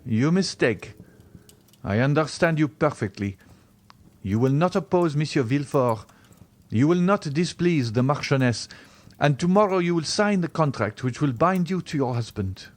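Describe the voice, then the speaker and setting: A man's voice: fairly high pitch, lively intonation, moderate pace, voice pushed up, natural voice. A man voicing a proud, desperate young lover, bitterly devoted, speaking with formal, earnest intensity in an audiobook. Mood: wounded, bitter. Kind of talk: dramatized audiobook reading of a classic novel.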